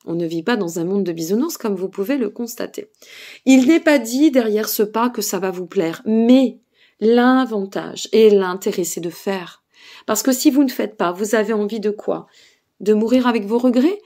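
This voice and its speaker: A mellow, mid-range woman's voice at a moderate pace belongs to a tired speaker with a Burgundian French accent. Seated indoors, she gives spiritual guidance to camera, hesitant and filler-heavy, regularly checking in with her audience.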